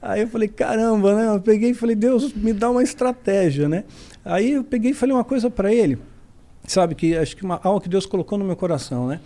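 Brazilian guy telling a wild story, kinda high voice, does all the voices. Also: quick pace. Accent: Brazilian Portuguese. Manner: animated, acts out quotes. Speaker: podcast guest. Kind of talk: casual storytelling.

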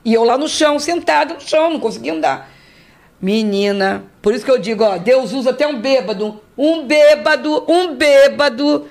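A woman's voice: on the high side, expressive, fairly quick, a little mellow. A woman in her fifties with a Rio de Janeiro accent, a podcast guest telling a long personal story in casual chat, acting out the voices she quotes and repeating words for effect. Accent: Rio de Janeiro Portuguese. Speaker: guest, host's mother.

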